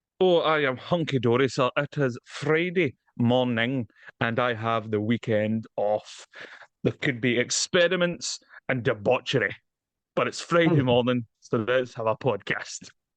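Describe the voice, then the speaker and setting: Here a man talks with a Glaswegian accent at a fairly slow pace. Pitch variation is ordinary, and the sound is dry and close with no echo. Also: medium pitch for a man. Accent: Glaswegian Scottish. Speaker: podcast co-host.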